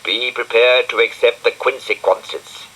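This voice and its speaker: A man's voice: mid-range voice, steady tone, unhurried, pushed and bright, husky, pitched above the performer's own voice, poor audio. A man doing Dougal, a grumpy sarcastic dog. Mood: grumbly. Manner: dry, sarcastic, muttering.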